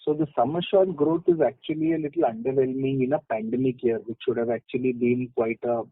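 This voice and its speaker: A man with an Indian accent asks unscripted questions as a financial analyst by phone, halting as he picks his words. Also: medium pitch, expressive, vocal fry, dry recording. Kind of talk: spontaneous call questioning. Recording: dry, narrow phone line.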